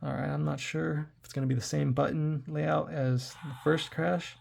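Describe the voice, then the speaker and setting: A man in his forties talks his way through a handheld game session, addressing viewers in loose, rambling asides. His voice is worn and hoarse, deeply gravelly and raspy, and sits a touch higher than most men's. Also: flat delivery, normal speed, a little mellow, slight background noise. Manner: rambling, chatty, talks to viewers while playing. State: hoarse from throat trouble. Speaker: tech reviewer playing retro games. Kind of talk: casual gameplay commentary.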